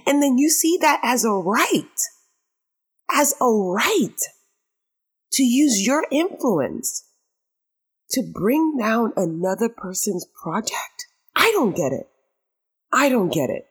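A woman with a raspy, hoarse voice hosting a talk show monologue, giving her opinions emphatically and repeating phrases for effect. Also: medium pitch. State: hoarse after a late night.

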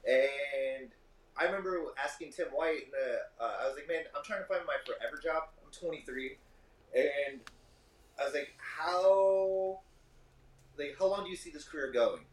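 A man's voice: on the high side, normal speed, far from the mic. Roomy off-mic man in his thirties. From Michigan. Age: 30s. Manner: talkative, rambling storyteller. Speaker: guest, shop owner. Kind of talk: casual podcast conversation.

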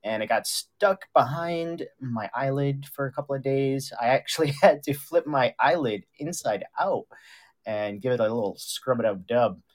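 Joking mid-pitched male co-host. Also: lively intonation, moderate pace. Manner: teasing, playful banter. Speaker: radio co-host. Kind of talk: casual joking chat.

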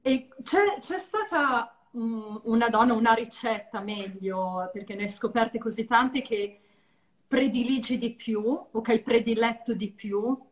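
A woman with a fairly high voice hosts an interview. She speaks conversationally, introducing and questioning her guest, with the odd English aside. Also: a little slow, low-quality recording. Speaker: interview show host.

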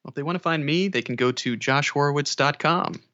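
A man's voice: on the high side, a little fast, bright, forceful tone. A man talking casually as an interview guest, in a conversational style. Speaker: podcast guest, audiobook narrator. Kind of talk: casual interview chat, giving advice. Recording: slightly dull, band-limited audio.

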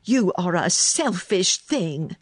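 A woman's voice: a little high, animated, measured pace, a little mellow, husky, no echo, studio quality, voice pushed up, exaggerated voice. A woman voicing a spoiled, sickly young boy in a storybook, whining and fearful with dramatic flair. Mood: petulant, angry.

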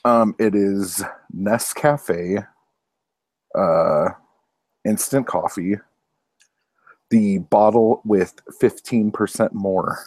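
A man's voice: fairly low pitch, drawn-out words, long pauses, a little mellow, no room sound. A man in his late thirties co-hosting a podcast, chatting casually with dry, profane jokes. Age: 30s. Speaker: podcast co-host. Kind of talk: casual chat.

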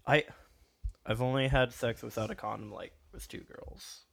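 A man's voice: mid-range voice, fairly even intonation, normal speed, vocal fry, a bit bright. A young man guest on a podcast, telling a story hesitantly with many fillers. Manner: hesitant, many ums and uhs. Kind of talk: casual podcast banter.

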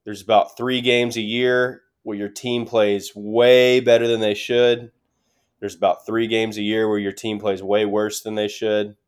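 Guy with a lowish voice talking sports on a podcast, short punchy lines, kinda emphatic. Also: flat delivery, unhurried, smooth. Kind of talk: casual sports commentary.

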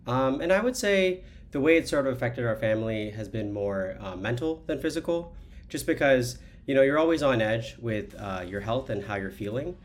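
A man's voice: mid-range voice, expressive, normal speed. A man in his twenties talking conversationally in a testimonial interview, with frequent fillers. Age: 20s.

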